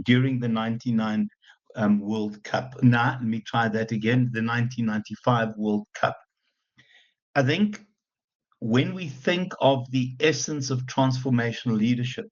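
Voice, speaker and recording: A man from South Africa with an Afrikaans accent, giving a chatty, animated university lecture with lots of repeated restarts. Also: mid-range voice. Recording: muffled lecture recording.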